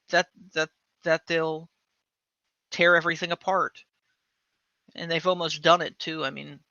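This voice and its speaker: A man talking casually as a guest host, halting and repeating words as he searches for them. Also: fairly high pitch, bright, forceful tone, dry recording, dull audio. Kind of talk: casual livestream talk.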